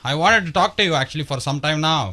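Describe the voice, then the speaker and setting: A man voicing a grand veteran music director who gushes in halting English on a prank call. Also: on the high side, sharp tone, heavily acted. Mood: gushing praise.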